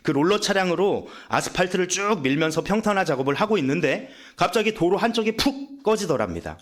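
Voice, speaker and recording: A male evangelist preaching a sermon, his pitch swinging widely as he tells a dramatic testimony. His delivery is emotive and vivid. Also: big pitch swings, fairly quick. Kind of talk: sermon storytelling.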